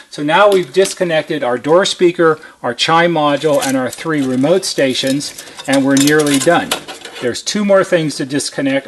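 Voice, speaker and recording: A man's voice: on the high side, slight background noise. A man giving a hands-on how-to demonstration as a repair technician, methodical and step-by-step, stressing key points.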